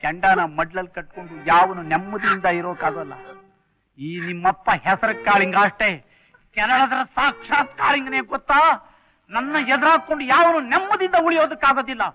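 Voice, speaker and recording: A man's voice: high-pitched, fairly quick, bright, forceful tone, low-quality recording. An actor playing a rich older father who is bitter and vengeful, speaking in a theatrical, threatening way. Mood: consoling, vengeful. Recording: old film soundtrack with music.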